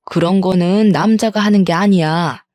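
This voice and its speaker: A woman voicing a harsh, nagging middle-aged mother-in-law who belittles with rapid-fire questions. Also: on the low side, darkish tone, no room sound, natural voice. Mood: scolding.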